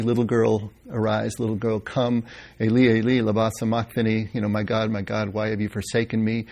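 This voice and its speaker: A man lectures on the history of scripture in a relaxed, conversational way. His voice has a gravelly edge and sits at an ordinary male pitch. He often pauses to rephrase, stringing thoughts together with fillers. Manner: conversational, thinking aloud with fillers and restarts. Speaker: Bible history teacher. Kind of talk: informal lecture with questions.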